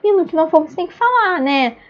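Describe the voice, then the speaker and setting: A woman's voice: extremely high pitch, lively intonation, quick pace, muffled recording. A woman giving an online lecture in a conversational way, often checking in with her listeners, with a Brazilian Portuguese accent. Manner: conversational, keeps asking "né?". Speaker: instructor.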